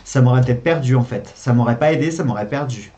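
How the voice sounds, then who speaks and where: A man's voice: medium pitch, fast, mellow, lo-fi sound. A man hosting a gaming video, giving casual commentary on a board game as he plays, thinking aloud with hesitations and repeats.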